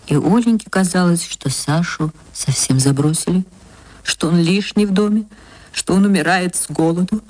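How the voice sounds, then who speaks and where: A woman narrating a literary radio play in a measured, expressive way. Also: lowish voice, no echo.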